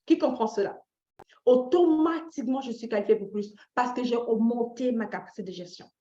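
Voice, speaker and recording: High-voiced woman coaching in a roomy echo. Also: a little fast, mellow. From Canada. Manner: peppers speech with English tags like "right?" and "ok?", repeats phrases for emphasis; engages listeners directly with questions. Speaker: financial coach and teacher. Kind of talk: informal live teaching talk with motivational tone. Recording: roomy echo, slightly dull lo-fi sound.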